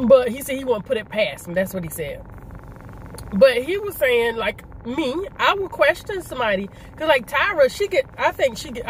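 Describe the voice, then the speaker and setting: High-voiced, emphatic middle-aged woman vlogging casually. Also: a little hiss or hum, poor audio. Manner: emphatic, rhetorical questions, repeats for emphasis. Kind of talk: casual mukbang conversation, storytelling.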